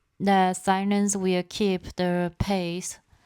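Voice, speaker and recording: A woman speaks at a very slow pace with a Chinese accent. The recording is very clean, with a silent background. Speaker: channel host reading news article. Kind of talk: reading aloud. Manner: halting, with self-corrections and fillers.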